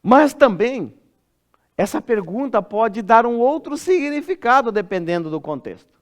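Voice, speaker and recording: A man with a Brazilian Portuguese accent preaching an expository sermon in a church, expressive and dropping soft and low when he acts out a parent speaking. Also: a little slow. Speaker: pastor.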